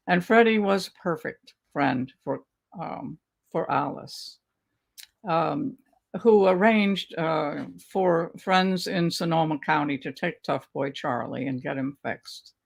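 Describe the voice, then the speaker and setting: An older woman reading her own memoir aloud over a video call from a home study, with a measured, unhurried storytelling manner. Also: sits low, expressive, gravelly. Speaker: author reading her work. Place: home study lined with bookshelves. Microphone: video call webcam.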